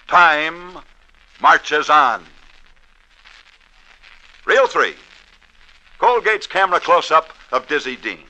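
A man narrates scripted sports tales in a dramatic, declamatory manner, like a host of a 1940s radio show. His voice is very bright and ringing, and sits a little high. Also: very animated, takes it slowly, long pauses, poor audio.

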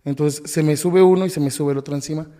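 A man with a Mexican Spanish accent, a podcast guest telling a painful personal story, halting, with frequent restarts and repetitions. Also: fairly high pitch, fairly even intonation, warm tone, in a large hall.

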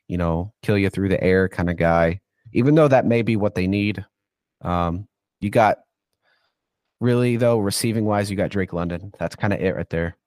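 A man speaks as a football insider on a podcast, in a lowish voice that sounds stuffy and congested, as if he has a cold. He rambles into long, loose rants and throws in a casual "dude" along the way. The sound is dry and close, with no room around it. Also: a little mellow, no room sound.

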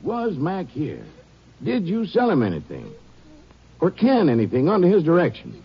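A man's voice: a little high, huge pitch swings, moderate pace, breathy edge, heavily acted. A man playing an earnest, plain-spoken small-town sheriff with an American accent in an old radio drama. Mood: coaxing, firm. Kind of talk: 1950s radio drama acting. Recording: dull old radio recording with hiss.

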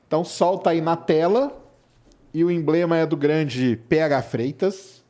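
A man's voice: a little high, unhurried, dark tone. A man with a Brazilian accent hosting a live show in casual, slangy chat, often tagging phrases with little questions for agreement. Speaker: podcast host.

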